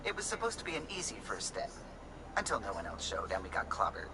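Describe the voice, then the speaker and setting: An actor playing a wry, weary spaceship pilot in a video game. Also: male voice, lowish voice, big pitch swings, fast, noisy background.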